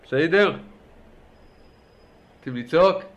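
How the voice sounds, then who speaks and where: A man teaching a religious class in a lively lecture style, urging his listeners on and asking them questions. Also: on the high side, dull audio, a little hiss or hum. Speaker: Torah teacher.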